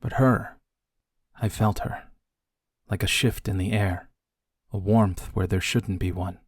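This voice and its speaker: A man reading scripted audiobook narration in a measured, hushed way with deliberate dramatic pauses. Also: on the low side, fairly even intonation, no echo, clean studio sound.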